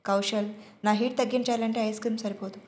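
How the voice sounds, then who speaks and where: A woman's voice: fairly high pitch, steady tone, fast, darkish tone, a little hiss or hum, close to an everyday voice. A woman playing a jokey young man. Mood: joking. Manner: joking, showy.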